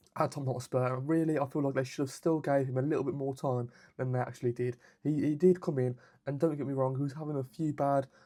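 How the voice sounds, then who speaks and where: A very fast, monotone man's voice with an English accent, medium in pitch, dark and mellow in tone, flat in intonation. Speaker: football podcaster. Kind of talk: solo commentary. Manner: halting, many repeated words.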